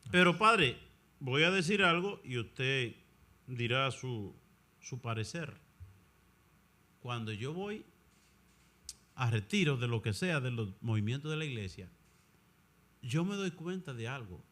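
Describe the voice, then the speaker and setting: A man who is a Catholic priest, talking in an animated conversational way and sometimes acting out other people's voices. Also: medium pitch. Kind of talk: conversational discussion.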